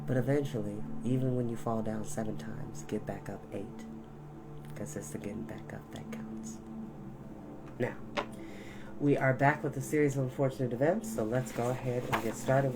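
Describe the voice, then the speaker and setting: A man hosting a storytime, speaking in a reassuring, expressive manner as he reads and chats. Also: medium pitch, moderate pace, low-quality recording. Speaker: storytime host and reader. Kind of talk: audiobook-style storybook reading with chatty intro. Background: music.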